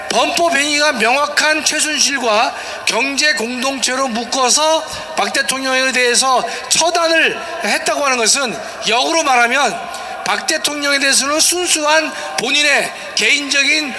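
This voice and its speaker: High, sharp, forceful male academic voice. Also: moderate pace, slight background noise. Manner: formal, emphatic, explanatory. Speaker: guest, constitutional law professor. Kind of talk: political commentary at a rally.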